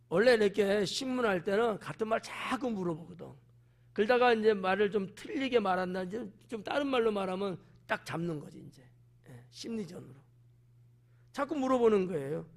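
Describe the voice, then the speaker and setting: Animated high-voiced male pastor preaching. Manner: animated, acts out quoted voices, talks directly to the congregation. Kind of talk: evening service sermon, expository Bible teaching.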